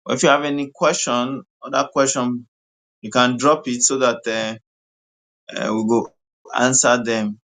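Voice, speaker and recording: Male doctor, West African accent, explanatory Pidgin English, reassuring and repetitive with halting phrasing, medium pitch. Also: flat delivery, a bit bright. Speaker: medical doctor answering questions. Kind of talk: explanatory health question-and-answer in Pidgin English mixed with English.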